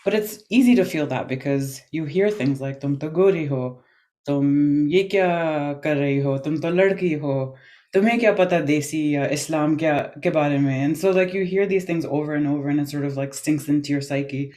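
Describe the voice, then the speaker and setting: A woman's voice: low voice, normal speed, mellow. A woman in her thirties from the US East Coast, co-hosting a podcast in an earnest, chatty way with frequent ums. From United States East Coast. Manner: earnest, chatty, laughs easily, fills with um. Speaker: podcast co-host. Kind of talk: casual podcast chat.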